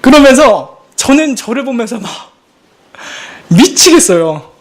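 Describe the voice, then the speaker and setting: A man in his thirties, a pastor preaching a sermon in an earnest, confessional way, moving between hushed and emphatic delivery. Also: extremely high pitch, sing-song, measured pace.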